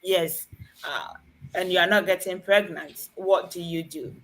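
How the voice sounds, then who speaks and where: A woman's voice: lowish voice, fairly even intonation, unhurried, slight background noise, poor audio. A woman hosting a live-streamed health talk show, guiding the guests and reading out viewer questions in a chatty, coaxing manner. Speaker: host.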